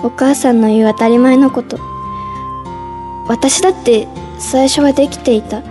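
An actress voicing a timid junior-high schoolgirl, narrating her thoughts softly in a radio drama. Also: steady tone, moderate pace, over music, lightly acted. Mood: withdrawn. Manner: soft inner-monologue narration, hushed at times.

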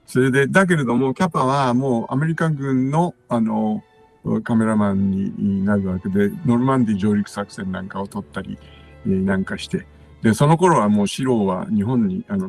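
A man, a composer and music producer appearing as a radio guest, recounting anecdotes in a relaxed, rambling way with many fillers and asides. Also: fairly low pitch, moderate pace, vocal fry, breathy edge.

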